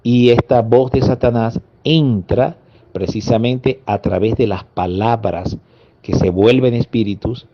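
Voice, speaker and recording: A man preaching a Catholic sermon, earnest, slowing down to stress each word in a list. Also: mid-range voice, dark tone. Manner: earnest, slow emphatic lists with pauses. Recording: dull lo-fi audio.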